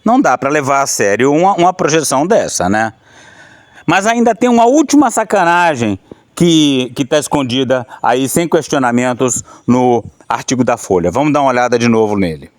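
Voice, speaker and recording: A man's voice: medium pitch, sing-song, normal speed, dry recording, clean studio sound. A man with a Brazilian Portuguese accent, hosting his own channel and commenting on a newspaper article. He talks with indignation, restarting often and tagging on questions. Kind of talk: opinionated video commentary.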